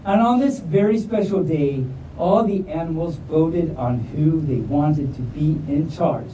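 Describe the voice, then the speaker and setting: A woman's voice: deep voice, measured pace, warm tone. A woman reading a picture book aloud at a live event, theatrical and jokey, breaking off for playful asides. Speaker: storytime reader. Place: live convention room with audience. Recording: echoey room, distant mic, faint noise.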